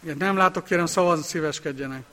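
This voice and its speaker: Male council chair, slightly high voice, brisk procedural delivery. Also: pushed and bright. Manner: brisk procedural, repetitive vote announcements. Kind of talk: formal council meeting chairing.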